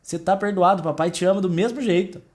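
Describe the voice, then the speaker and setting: Gentle forgiving storybook father, as a preacher puts him on, quiet, reassuring, fairly high male voice. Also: fast, natural voice. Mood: tender forgiving. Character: loving but stern father forgiving his son.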